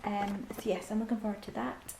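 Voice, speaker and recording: A woman's voice: medium pitch, flat delivery, fairly quick, creaky. Chatty Scottish woman in an echoey room. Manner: chatty, frequent ums, drops to near-whispers at times. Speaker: book vlogger. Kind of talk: casual reading vlog. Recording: echoey room with faint background hiss.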